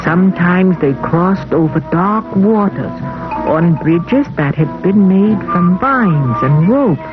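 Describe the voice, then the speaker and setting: A woman playing a mother who tells her children an old folktale in measured, deliberate storytelling, on a muffled old film soundtrack. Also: on the low side, lively intonation. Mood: solemn storytelling. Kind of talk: scripted folktale narration. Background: music.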